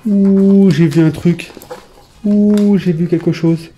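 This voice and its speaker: A man casually chatting to his viewers while flipping through old trading cards, hesitant at times and bursting into sudden excited exclamations. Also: sits high, takes it slowly, faint music behind, poor audio. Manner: hesitant, many fillers while reading names. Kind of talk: casual off-the-cuff commentary.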